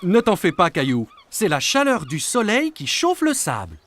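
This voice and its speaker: A woman voicing a gentle, reassuring grown man in a children's cartoon dub. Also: fairly low pitch, wildly swooping pitch, moderate pace. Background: background music.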